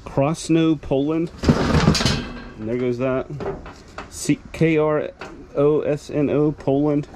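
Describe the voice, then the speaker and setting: A man's voice: on the high side, steady tone, takes it slowly, pauses often. A man casually narrating as he sorts through boxes inside a storage container, thinking aloud in an easygoing way, recorded on a body-worn camera. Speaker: storage auction reseller. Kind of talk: casual unboxing commentary. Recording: noisy handheld outdoor recording.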